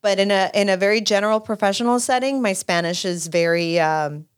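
A woman's voice: medium pitch, fairly quick, clean tone. A woman who grew up in Puerto Rico, hosting an interview in a chatty, rambling, admiring manner. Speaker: podcast host. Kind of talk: casual conversational interview.

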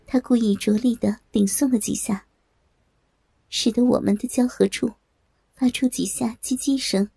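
A woman narrating a first-person audio story in a breathy, halting way, stammering at times. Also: a little high, warm tone, dry recording.

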